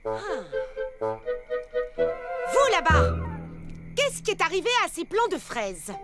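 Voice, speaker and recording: A woman voicing an excitable, self-important young girl detective in a dubbed children's cartoon, theatrical and pompous. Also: very high-pitched, takes it slowly, over loud music, full character voice. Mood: excited.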